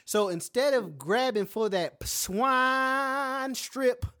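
A man's voice: very high voice, expressive, takes it slowly, bright, forceful tone, smooth, no echo, clean studio sound. A man co-hosting a podcast, chatting casually and joking with playful exaggeration. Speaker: podcast co-host.

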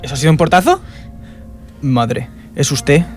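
An actor playing a timid, gullible aristocratic son, hesitant and formally polite, in a comedy-drama. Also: male voice, fairly high pitch, very animated, normal speed, soft background music. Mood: tearful longing. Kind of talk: scripted comedy-drama acting.

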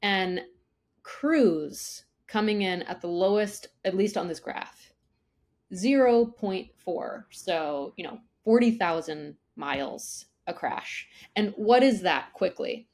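A woman's voice: mid-range voice, lively intonation, slow, a little mellow. A woman giving conversational analysis, explaining step by step and posing questions that she then answers. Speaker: analyst guest on an investment show.

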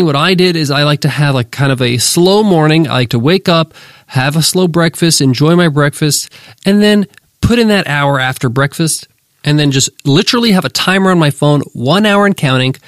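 Man, nasal, congested from a cold, fairly high voice, dry close sound, upbeat podcast host. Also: lively intonation, moderate pace, no echo. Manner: upbeat, motivational, direct to listeners. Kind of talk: solo business podcast lesson.

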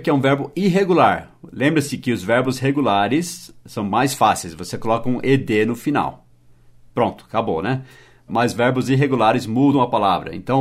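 A man with an ordinary mid-pitched voice hosts a relaxed English lesson podcast. He explains patiently, repeats key words and spells them out letter by letter for his listeners. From United States and Brazil. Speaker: English teacher and podcast host. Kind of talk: casual spoken English lesson.

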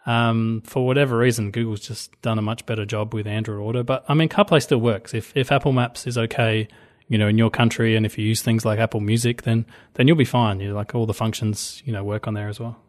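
A man with a strong Australian accent talking tech casually, chatty and quick to repeat words. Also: on the low side, fairly even intonation.

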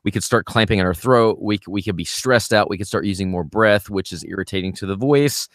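A male vocal coach chats casually on a podcast, speaking fairly quickly and animatedly. He acts out his students' complaints in a higher voice. The recording is studio quality with no echo.

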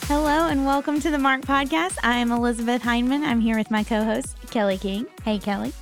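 A woman's voice: on the high side, brisk, soft background music. A woman hosting a podcast, welcoming a guest and asking questions. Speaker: podcast host. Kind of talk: casual interview conversation.

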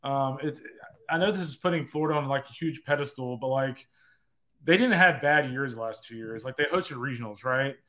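A man of mid pitch talks through a team's season on a podcast. His delivery is loose and analytical, with many "like" fillers along the way. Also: fairly quick, sharp tone. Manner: analytical, heavy use of filler "like". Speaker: college baseball analyst. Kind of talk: casual sports podcast talk.

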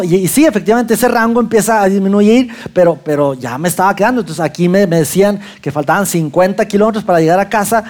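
A man with a Mexican accent telling a lively personal anecdote to an audience, acting out his own lines as he goes. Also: high voice.

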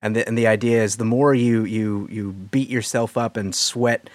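A man in his mid thirties co-hosting a casual podcast, animated and earnest with jokes thrown in. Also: lowish voice, moderate pace, dry recording. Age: 30s. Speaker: podcast co-host.

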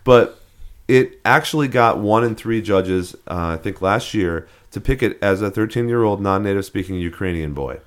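A man's voice: fairly low pitch, moderate pace. A man co-hosting a podcast in casual chat, rambling with frequent restarts and fillers. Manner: rambling, many restarts and fillers, laughs at odd names. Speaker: podcast co-host.

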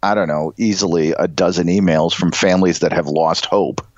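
Co-host with a head cold, nasal and low, dry muffled sound, deadpan humor. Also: male voice, normal speed, no room sound. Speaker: podcast co-host. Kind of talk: casual chat.

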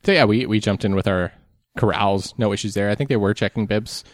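Low-voiced man chatting casually, slightly hoarse. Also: brisk, dry recording, studio quality. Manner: rambling, laid-back, lots of ums. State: losing his voice. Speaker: podcast co-host. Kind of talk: casual chat recapping a race.

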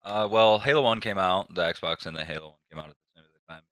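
A man in his twenties, a pro gamer guest, telling stories in a relaxed, low-key way with lots of fillers. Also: fast talker, dry recording. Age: 20s. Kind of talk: casual interview storytelling.

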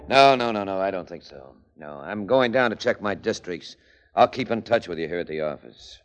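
A deep-voiced cocky political boss. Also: male voice, lively intonation, highs cut off. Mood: brisk. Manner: blunt, menacing, unhurried. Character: tough male political boss, blunt and cocky. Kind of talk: 1940s radio drama acting.

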